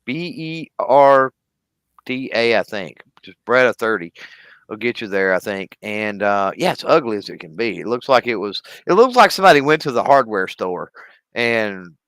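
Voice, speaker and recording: A man's voice: on the low side, lively intonation, moderate pace, a bit bright, clear, resonant tone, dry recording. A man with an East Texas accent, co-hosting a podcast in casual chat, rambling and correcting himself as he goes. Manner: rambling, self-correcting, spells out names. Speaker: podcast co-host.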